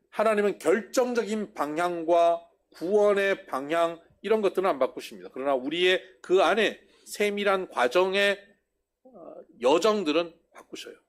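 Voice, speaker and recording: A man preaching a sermon lecture, putting rhetorical questions to the congregation and acting out quoted speakers in a raised voice. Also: high voice. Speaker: pastor.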